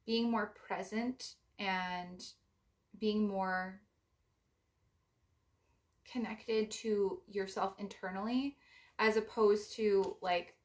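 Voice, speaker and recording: A psychic card reader, a young woman with a raspy voice in an ordinary middle pitch, meanders through a spiritual card reading. She speaks extremely slowly in a steady tone, pausing often, leaning on many fillers while giving gentle advice.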